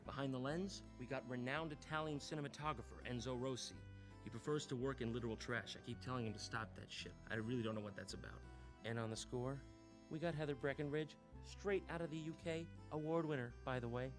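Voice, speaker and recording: A man narrating a scripted comedy mockumentary in a deadpan, boastful way that swings into loud outbursts. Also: medium pitch, a little fast. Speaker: comedic host of a mockumentary video. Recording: music bed under the voice.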